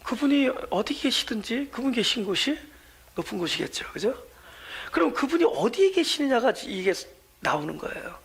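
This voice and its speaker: A pastor preaching a sermon, swinging between loud emphasis and soft near-whispers, and putting questions to the congregation before answering them. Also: mid-range voice, husky.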